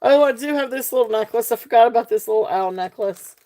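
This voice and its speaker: A middle-aged woman with a Southern US accent hosting a live jewelry sale, chatty and folksy, with frequent ums and soft laughs. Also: on the high side, fast. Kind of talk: casual live-stream selling.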